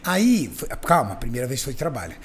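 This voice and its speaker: A podcast host with a medium-pitched voice talks briskly in casual chat, telling a story and animatedly performing the voices of the people in it. The recording is very noisy.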